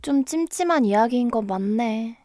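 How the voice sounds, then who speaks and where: A woman's voice: fairly high pitch, lively intonation, moderate pace, warm tone, dry recording, natural voice. A woman playing a candid, naive, easily riled young female student in a radio drama.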